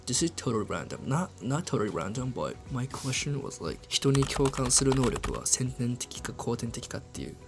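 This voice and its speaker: A young man who speaks English with a Japanese accent, Japanese being his first language, talking casually to camera in a halting way with many fillers. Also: medium pitch, gravelly. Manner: halting, filler-heavy, asks "right?" often. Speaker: English-learning YouTuber. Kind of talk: casual vlog talk to camera.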